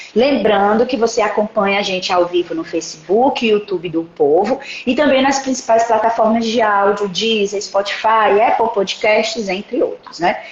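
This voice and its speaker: A woman's fairly high voice with ordinary pitch variation at a moderate pace, over noticeable background noise. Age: 40s. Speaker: journalist and podcast host. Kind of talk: casual chat.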